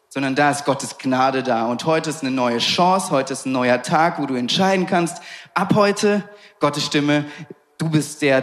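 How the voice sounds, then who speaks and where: A young man preaching a sermon with fervent, repeated rhetorical questions and casual asides. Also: medium pitch. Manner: casual interjections of "hey".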